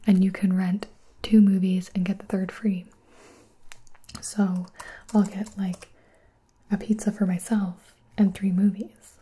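Woman as friendly young librarian for a whispered role-play: very mellow library whisper, unhurried and casual. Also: mid-range voice, flat delivery. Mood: chatty, helpful. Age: 20s. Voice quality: breathy. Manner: soft-spoken library whisper, gentle and casual. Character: friendly, chatty young female public librarian helping a new patron.

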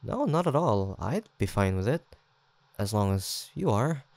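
A man's voice: on the low side, big pitch swings, a little slow, creaky, a little mellow, no echo, exaggerated voice. A young man acting an easygoing, teasing, affectionate student roommate in an intimate, casual roleplay audio drama, with hesitant banter. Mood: gentle, shyly caring. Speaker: voice actor.

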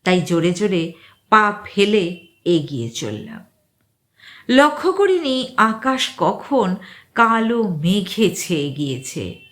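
A woman storyteller narrates eerie fiction in a mid-pitched voice. Her reading is slow and suspenseful, with deliberate pauses. The intonation rises and falls widely, giving the scripted prose a dramatic, expressive shape.

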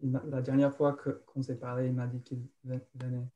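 Young American man, relaxed call voice. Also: medium pitch, brisk, muffled recording. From Chicago, United States. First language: English. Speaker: guest. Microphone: video call, earphones.

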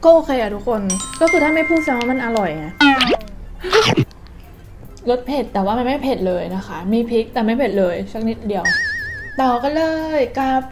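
A woman's voice: fairly high pitch, lively intonation, normal speed, long pauses. Young woman talking with mouth full. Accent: Thai. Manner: chatty, frank, talks to viewers. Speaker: vlogger. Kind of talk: casual food-tasting vlog. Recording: loud background music.

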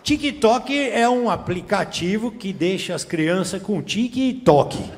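A man's voice: sits high, expressive, measured pace, gravelly. A man from Brazil doing a stand-up comedy set on a theater stage with a handheld mic, teasing the crowd in profane slang. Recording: reverberant theater, faint room noise. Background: audience laughter.

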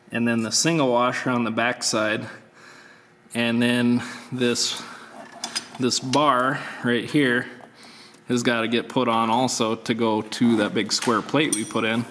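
A man's voice: mid-range voice, fairly bright tone. A laid-back man with a mid-range voice talks through a DIY mechanical job step by step in a plain, easygoing way. His voice rings with a long reverb from a garage workshop, and faint noise sits underneath. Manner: laid-back, plain-spoken, frequent uh fillers. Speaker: channel host. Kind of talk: casual DIY how-to walkthrough.

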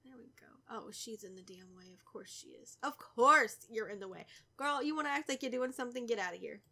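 A woman's voice: fairly high pitch, fairly quick, bright, forceful tone. Stuffy-nosed young woman playing a game. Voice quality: slightly raspy. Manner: chatty, teasing the game characters. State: stuffy nose from a cold. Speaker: gaming YouTuber. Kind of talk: casual let's play commentary.

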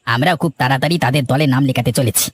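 A man acting a cocky, fast-talking cartoon swindler. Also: mid-range voice, husky, no room sound, lightly acted. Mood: scheming. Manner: boastful, wheedling. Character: cocky, greedy village swindler, smooth-talking and treacherous. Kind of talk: dramatized cartoon villain dialogue.

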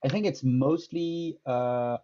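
A man's voice: mid-range voice, takes it slowly, dark tone. A man in his thirties from France with a French accent, an improv teacher answering interview questions thoughtfully, with many fillers and restarts, over a headset on a video call. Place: small room indoors. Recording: dull lo-fi video call audio.

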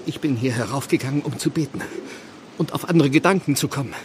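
An actor playing an anguished village clergyman burdened with guilt, speaking gravely and earnestly in a radio play. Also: mid-range voice, quick pace, slight background noise, natural voice. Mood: remorseful. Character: anguished, guilt-ridden English village clergyman confessing murder. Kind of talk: German radio play acting.

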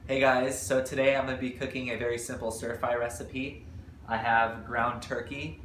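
A man's voice: medium pitch, moderate pace. Young man vlogging a cooking video. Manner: relaxed, explains steps as he goes. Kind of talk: casual cooking vlog. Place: kitchen at home, indoors. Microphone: camera on table. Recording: echoey room with background noise.

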